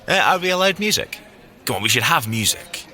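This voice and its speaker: An excitable, animated gadget geek. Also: male voice, on the high side, brisk, full character voice. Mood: eager, playful. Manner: boyish, eager, geeky, swooping delivery. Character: excitable, nerdy, playful male gadget scientist agent. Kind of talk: audio drama dialogue.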